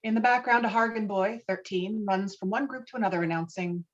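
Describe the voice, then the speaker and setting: A woman's voice: medium pitch, fairly quick. A woman reading out stage directions as scripted screenplay narration. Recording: dull, muffled remote-call audio.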